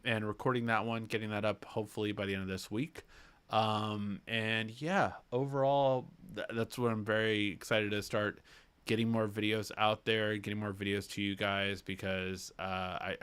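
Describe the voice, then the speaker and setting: A man's voice: lowish voice, fairly bright tone, smooth. A young man hosting a casual tech livestream, reading viewer questions aloud and answering them with lots of fillers and restarts, his nose a little stuffy. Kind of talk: casual live Q&A chat.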